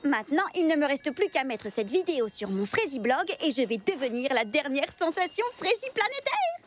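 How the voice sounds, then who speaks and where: A woman voicing an excitable, boastful young girl inventor in a French-language cartoon, with theatrical, exclamatory delivery. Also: high voice, normal speed, slight background noise. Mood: boastful, excited. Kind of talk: French-language animated series dubbing. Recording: loud music behind the voice.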